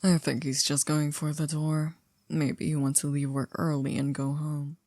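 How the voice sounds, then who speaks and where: Casting: woman as unflappable formal servant of a vampire house, very low mellow voice, dry ASMR delivery. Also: little pitch movement, no echo. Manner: polite, measured, gently wry. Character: composed, formal, dryly teasing female household servant. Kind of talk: ASMR roleplay acting.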